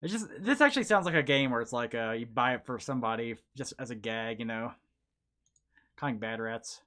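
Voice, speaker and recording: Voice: mid-range voice, lively intonation, fairly quick, a bit bright. A stream host chatting casually, rambling and trailing off while reading game titles aloud. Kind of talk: casual chat.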